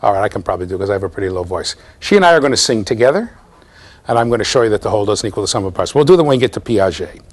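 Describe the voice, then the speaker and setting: Animated man lecturing a class. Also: lowish voice, very fast. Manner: animated, explaining with frequent "okay?" and "right?" checks. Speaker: university lecturer. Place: classroom with bookshelves.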